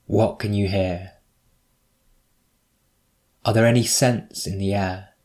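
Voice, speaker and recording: Low-pitched man guiding a meditation. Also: steady tone, slow pace, a little mellow. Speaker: guided meditation narrator. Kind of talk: scripted guided meditation.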